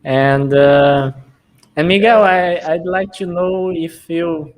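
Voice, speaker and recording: Slow, hesitant host, higher voice. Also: male voice, fairly even intonation. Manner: hesitant, laughs often. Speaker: interview host. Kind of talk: live stream interview.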